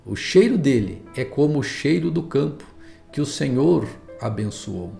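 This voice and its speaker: A grave old patriarch speaks in a slow, solemn and measured way , read by a Brazilian pastor. His voice is gravelly and mellow, with a Brazilian accent. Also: mid-range voice, expressive, faint music behind. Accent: Brazilian Portuguese.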